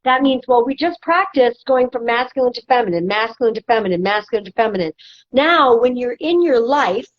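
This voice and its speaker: A woman's voice: on the high side, lively intonation, a little fast. A woman, a movement instructor, talking casually in a podcast with many fillers and restarts. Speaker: guest, movement and dance instructor. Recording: dull lo-fi audio.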